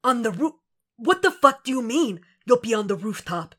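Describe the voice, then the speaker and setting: A woman voicing a gruff, foul-mouthed male ex-Marine who is protective and angry, speaking in commanding, insistent bursts. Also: mid-range voice, normal speed, natural voice. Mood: incredulous. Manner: cursing, commanding, rising insistence.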